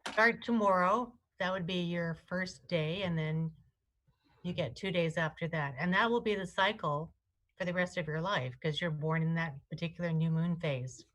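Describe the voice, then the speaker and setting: A woman's voice: fairly low pitch, moderate pace, a bit bright. A woman who co-hosts a wellness show, giving astrology readings to callers in a chatty, affectionate way with frequent restarts. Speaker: astrologer and co-host. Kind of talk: live call-in readings.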